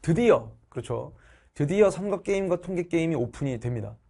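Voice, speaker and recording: Still shaking off a cold, a middle-aged online social studies teacher talks chattily to his students. His fairly high voice is creaky yet mellow, brisk, with lively intonation.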